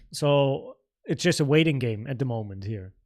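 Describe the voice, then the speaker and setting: A man's voice: mid-range voice, lively intonation, unhurried, darkish tone. A man from the Netherlands, a native Dutch speaker in his thirties, hosting a casual trading livestream, informally thinking aloud as he takes viewer questions. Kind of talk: casual livestream Q&A and market commentary.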